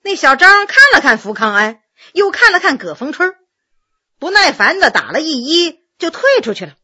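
Woman storyteller, high bright voice, animated, expressive narration. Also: normal speed.

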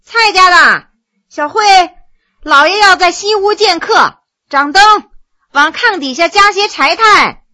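A woman voicing a sharp-tongued young concubine who scolds and chides, in a told story. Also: sits high, very animated, measured pace, long pauses, slightly rough, dry recording, full character voice. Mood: calling out. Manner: scolding, chiding.

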